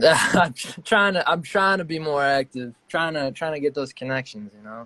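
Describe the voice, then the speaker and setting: A man's normal speaking voice, fairly high in pitch, with lively intonation, big swings in loudness and a moderate pace. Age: 20s. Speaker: music producer. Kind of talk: casual chat. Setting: Instagram live stream.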